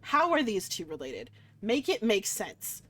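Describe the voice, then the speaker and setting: A woman's voice: medium pitch, wildly swooping pitch, a little slow. A woman streaming a visual novel, reading narration aloud and adding playful, reactive asides for her chat. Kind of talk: game playthrough with read-aloud narration and chat commentary.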